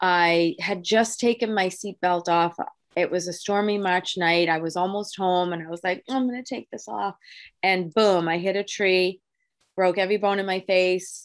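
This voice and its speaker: On a very clean recording with a silent background, a woman with a normal speaking voice talks at a moderate pace and a medium pitch. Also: fairly even intonation. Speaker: spirit medium. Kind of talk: interview chat.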